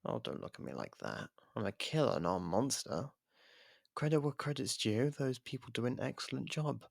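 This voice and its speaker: A man playing an imprisoned serial killer in an ASMR audio drama, smug, taunting and flirtatious, with a husky, gravelly voice and a sarcastic drawl. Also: mid-range voice, very animated, moderate pace, dry recording, clean studio sound. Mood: scornful, mocking. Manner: drawling, sarcastic, teasing delivery.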